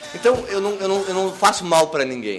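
Noticeable background noise sits under a man's voice. He talks at a fairly quick pace with lively intonation. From Rio Grande do Sul, Santa Maria. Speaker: language school founder, entrepreneur. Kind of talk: casual chat.

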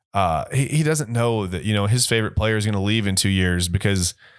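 The recording is very clean, with a silent background. A man with an unremarkable speaking voice and a fairly low pitch talks at a fairly quick pace. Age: 40s. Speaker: sports podcast host. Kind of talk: casual chat.

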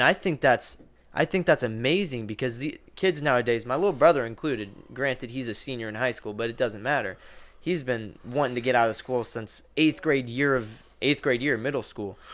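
The recording is very clean with a silent background. A man with an unremarkable speaking voice talks fairly quickly at a medium pitch with ordinary pitch variation. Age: young. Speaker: podcast host. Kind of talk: casual chat.

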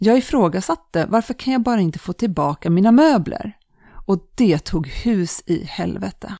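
At a moderate pace, a woman with a dark, mellow tone speaks at medium pitch with very wide pitch swings. The sound is dry and close, with no echo. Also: very clean recording, silent background. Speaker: survivor of abusive parents sharing her story. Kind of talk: personal testimony, pre-written narration. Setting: self-recorded audio file. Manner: smooth, audiobook-like narration.

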